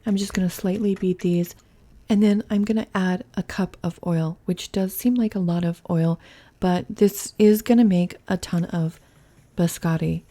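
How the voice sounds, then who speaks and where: A woman's voice: on the low side, fairly even intonation, moderate pace, mellow. A woman hosting a home cooking vlog, chatting through each step in a casual, thinking-aloud way from her kitchen. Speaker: cooking channel host.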